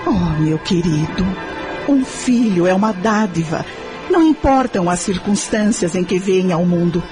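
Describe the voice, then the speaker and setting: A woman playing a caring, principled middle-aged mother and wife in a radio drama, earnest and gently moralizing, with a Brazilian accent. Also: lowish voice, expressive, unhurried, over music. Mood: tender, earnest.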